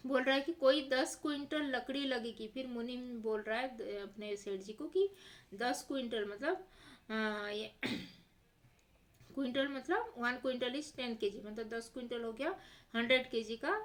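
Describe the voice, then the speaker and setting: A woman's voice: fairly high pitch, unhurried, long pauses. A woman teacher retelling a textbook story for children, repeating herself and mixing English words into her explanations.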